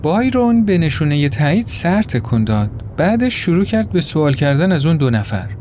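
A man narrating a story in an expressive, acted-out way. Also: fairly high pitch, slight background noise. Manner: expressive, voices characters.

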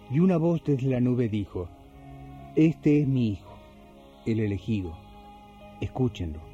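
A kind, devout young church volunteer played by a male actor in a radio play, with a Rioplatense accent. He speaks earnestly and measuredly in a very dark, warm voice, on a muffled recording with faint music. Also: mid-range voice, natural voice. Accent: Rioplatense Spanish. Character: kind, faith-filled young parish volunteer helping pilgrims. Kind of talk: radio drama with scripture narration.

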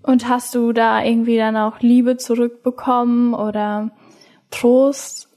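Host: woman, slightly high voice, unhurried and steady, gentle interviewer. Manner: gentle, encouraging questions. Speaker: podcast interviewer. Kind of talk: casual interview chat.

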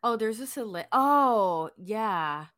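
A woman's voice: a little high, animated, takes it slowly, a bit bright, no room sound, clean studio sound. A young woman from Puerto Rico with a Puerto Rican accent, Spanish her first language, talking casually and animatedly in an interview with many restarts. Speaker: guest.

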